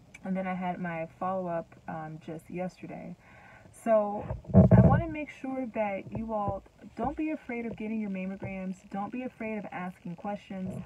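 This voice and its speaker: A woman speaks at medium pitch and a moderate pace with lively intonation, her voice dry with no echo against noticeable background noise. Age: 30s. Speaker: natural hair content creator. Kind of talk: casual vlog talk to camera. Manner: casual with frequent fillers. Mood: earnest, encouraging reminder. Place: car. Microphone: phone near.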